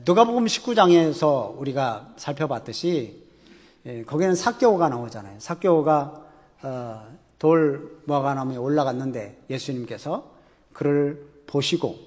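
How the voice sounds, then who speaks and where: A man's voice: medium pitch, a little mellow. Male pastor preaching in a ringing hall. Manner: conversational preaching with rhetorical questions. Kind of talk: sermon.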